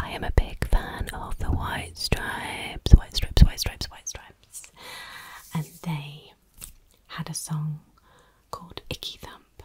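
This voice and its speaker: Against noticeable background noise, a soft-spoken woman whispers at a fairly slow pace with long, frequent pauses. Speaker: ASMR creator. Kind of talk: soft ASMR word repetition with casual chat. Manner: soft close-up ASMR whisper.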